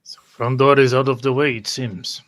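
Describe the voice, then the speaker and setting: A man's voice: medium pitch, steady tone, moderate pace, fairly bright tone. A man taking part in a tabletop roleplay game as one of the players.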